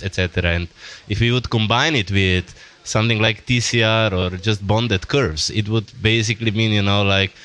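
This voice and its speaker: Low-voiced man explaining an idea. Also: a bit bright. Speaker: roundtable participant. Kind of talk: casual roundtable discussion.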